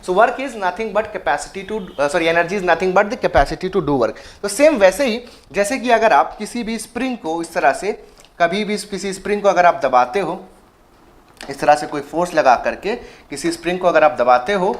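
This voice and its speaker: A man's voice: sits high, lively intonation, measured pace. A man from India teaching an exam-prep engineering lecture, switching freely between two languages and explaining with playful everyday examples. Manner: mixes Hindi and English freely.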